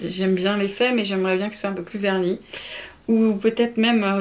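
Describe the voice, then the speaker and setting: A young woman chatting casually in a home video, hesitant, with many fillers. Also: mid-range voice. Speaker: vlogger. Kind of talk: casual haul video chat.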